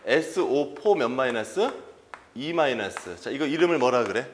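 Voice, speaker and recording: A male chemistry instructor giving an exam-prep lecture, constantly throwing quick rhetorical questions at his students and answering them himself. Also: mid-range voice, expressive, a little hiss or hum.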